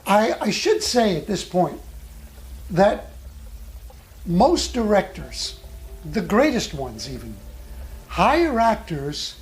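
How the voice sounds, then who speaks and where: An acting coach giving an instructional talk with personal anecdotes, speaking in a measured, deliberate way with thoughtful pauses. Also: mid-range voice, very animated, soft background music.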